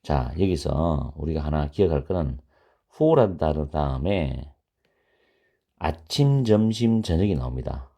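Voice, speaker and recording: A male English teacher gives a beginner grammar lecture at an unhurried pace. His voice is very low and dark, and it rises and falls a lot as he repeats example sentences. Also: lively intonation, vocal fry.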